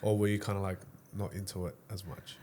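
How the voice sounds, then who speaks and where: A man's voice: deep voice, level tone, fast, warm tone, a little hiss or hum. A young man hosting a podcast, chatty and friendly, with lots of fillers and repeated words. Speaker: podcast host. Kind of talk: casual interview chat.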